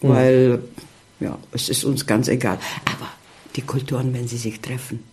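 A middle-aged man, a guest in a casual interview, talking haltingly with many fillers as he searches for words. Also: mid-range voice, level tone, darkish tone.

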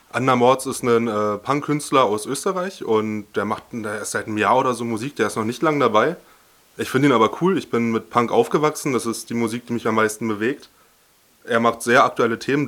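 A young man in his twenties, from Berlin, sits in a radio studio as a guest. He talks in a relaxed, easygoing way, with small fillers as he explains. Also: medium pitch. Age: 20s. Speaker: workshop coordinator, radio guest.

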